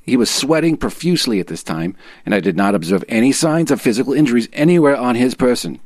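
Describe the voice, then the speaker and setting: A man's voice: mid-range voice, lively intonation, quick pace, darkish tone, no room sound, lightly acted. A man acting out a stock movie cop with a thick mash-up of northeastern American accents. He delivers a police report in formal, procedural, matter-of-fact fashion. The recording is dry and close, with no room around it. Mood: official, matter-of-fact. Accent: exaggerated northeastern US. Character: clichéd gruff East Coast American movie cop reading a police report. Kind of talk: dramatic reading of a police report.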